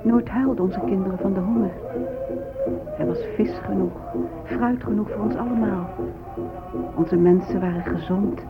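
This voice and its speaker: A woman's voice: mid-range voice, fairly even intonation, moderate pace, pauses often, lightly acted. A woman playing a sorrowful, dignified Native American lamenting solemnly in a radio drama. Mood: wistful. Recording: muffled, phone-like old radio recording. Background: prominent music.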